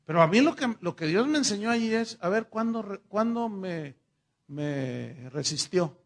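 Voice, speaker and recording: Mexican pastor preaching, kinda high voice w lots of gravel, tells stories and acts out the back and forth. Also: male voice, lively intonation, moderate pace. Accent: Mexican Spanish. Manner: conversational, acts out dialogue in his stories. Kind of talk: sermon with personal storytelling.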